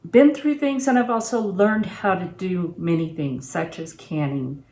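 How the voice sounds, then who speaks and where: A woman's voice: fairly low pitch, measured pace, mellow. A woman in her sixties talking casually and unscripted to camera in a home kitchen, plain-spoken and reflective, like a vlogger giving practical advice. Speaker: homesteading vlogger reviewing gear and giving advice.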